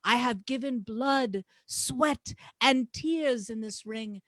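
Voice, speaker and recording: Female actor as cocky male wrestler for staged promo reading: high voice, unhurried, taunting, grandiose. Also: a bit bright, no room sound. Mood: boastful, grandiose. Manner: taunting, crude, grandiose, drawn-out emphatic delivery. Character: brash, boastful male pro wrestler cutting trash-talk promos.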